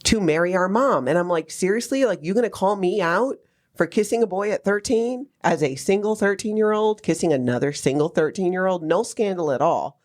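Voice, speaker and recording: A woman in her fifties from Hawaii, hosting a podcast and telling her own life story in a candid, wry, animated way with lots of asides. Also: fairly low pitch, fairly quick. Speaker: podcast host. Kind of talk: personal storytelling chat.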